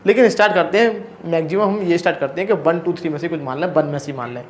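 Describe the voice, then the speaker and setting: Male math teacher, high voice, chatty step-by-step board explainer, roomy echoey recording. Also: rapid-fire, slight background noise. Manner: explains step by step, asking the class rhetorical questions; casual and chatty, calls students brother. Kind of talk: blackboard lecture. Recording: echoey room.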